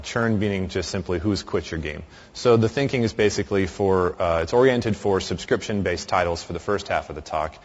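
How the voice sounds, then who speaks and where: A man's voice: deep voice, highs cut off. A man in his thirties giving a conversational conference talk in a large hall, with frequent fillers and restarts. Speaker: conference speaker.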